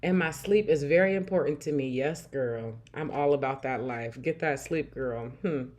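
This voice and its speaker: A woman's voice: low-pitched, moderate pace. Chatty woman hosting a livestream. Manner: warm, chatty, laughs often, repeats "I love it". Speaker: livestream host. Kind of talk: casual livestream chat reading viewer comments.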